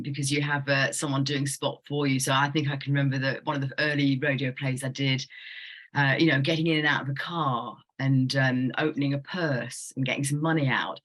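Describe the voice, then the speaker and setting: A man with a slightly high voice speaks as an actor on a video call. He explains things conversationally, through personal anecdote. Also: a bit bright.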